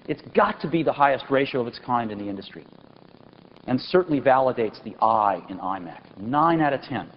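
Enthusiastic man presenting on a stage. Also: on the high side. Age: 40s. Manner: enthusiastic, emphatic, pausing for effect. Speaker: company executive presenting a product keynote. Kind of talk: product launch keynote. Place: large auditorium stage. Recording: dull lo-fi 1999 event recording with faint hiss.

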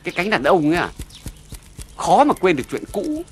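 An actress playing a sly village gossip who needles with proverbs in a TV drama. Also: female voice, lowish voice, sing-song, a little fast, slightly rough. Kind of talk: TV drama acting.

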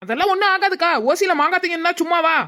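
A bold, scheming village girl in a cartoon, voiced by a woman. She talks loud and bossy in a high, bright voice. Her lines come quick. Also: slight background noise. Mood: bossy, cheerful. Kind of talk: Tamil cartoon dub.

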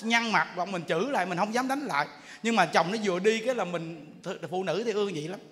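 A man's voice: sits high, quick pace. A man, a Buddhist monk giving a humorous dharma talk, acting out little scenes as he tells them. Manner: animated storytelling, acts out quarrels, laughs often. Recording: long hall reverb, faint noise.

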